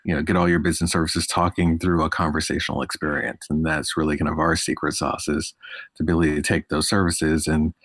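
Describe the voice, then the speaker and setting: Low-voiced American East Coast man. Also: little pitch movement, fast, fairly bright tone, dry recording. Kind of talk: business interview.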